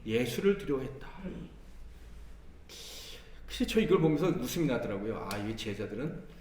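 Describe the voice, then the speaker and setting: A man's voice: mid-range voice, sing-song, moderate pace, darkish tone, a little hiss or hum. A man preaching a Sunday sermon to his congregation. He acts out the words of Jesus and the disciples and keeps asking the congregation questions. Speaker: pastor. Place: church sanctuary. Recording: echoey church hall, mic at a distance.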